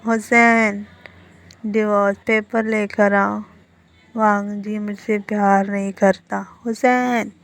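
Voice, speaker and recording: A woman voicing a tipsy, heartbroken young man who talks slowly and mournfully in a read-aloud story. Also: mid-range voice, flat delivery. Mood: drunk. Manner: slow, slurred, mournful.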